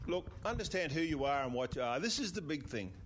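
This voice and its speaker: Fast-talking earnest man. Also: fairly high pitch, lively intonation, slight background noise. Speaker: panel guest. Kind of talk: talk radio panel.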